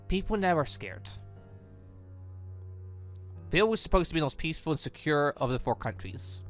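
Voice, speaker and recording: A gaming host with a bright, forward voice talks through a playthrough casually. The delivery rambles conversationally, as if thinking out loud, with music playing behind it. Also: medium pitch. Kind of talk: casual gameplay commentary.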